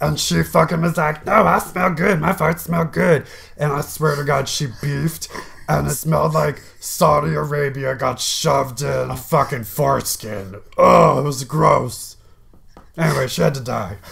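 Shouting in a put-on character voice, a man sounds raspy and fairly high-pitched. His pace is moderate. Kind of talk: comic overacting. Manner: aggressive, shouting, profane.

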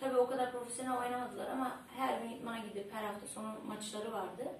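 A woman's fairly high voice at a fairly quick pace, with audible room echo and light background noise. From Germany, Cologne. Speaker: professional footballer. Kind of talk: interview. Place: studio.

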